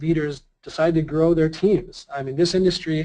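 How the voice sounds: A man speaks at a moderate pace with fairly even intonation. His pitch is fairly high.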